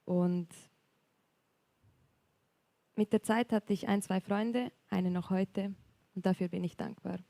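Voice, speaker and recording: A woman's voice: mid-range voice, fairly even intonation, creaky, no room sound. A young woman from Graubünden with a Swiss accent, speaking hesitantly and reflectively as a guest telling her life story on a church stage. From Graubünden, Switzerland. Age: young adult. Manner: soft, hesitant, reflective, with frequent pauses and fillers. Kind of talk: personal testimony interview in a church service.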